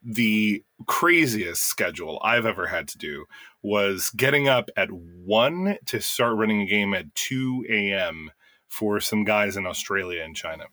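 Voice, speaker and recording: A man co-hosting a podcast as a game master, telling lively stories. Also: on the low side, unhurried, no room sound, clean studio sound. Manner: lively storyteller, animated and joking. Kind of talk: casual podcast chat.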